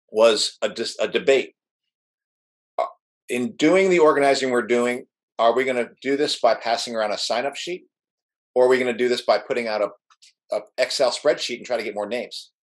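Earnest man arguing a point. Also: mid-range voice. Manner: earnest, argumentative, many restarts and "like". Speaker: podcast co-host. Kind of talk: casual chat.

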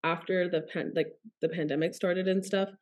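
A woman's voice: lowish voice, steady tone, normal speed. A woman, a guest on a podcast, talking casually and emotionally, often searching for her words.

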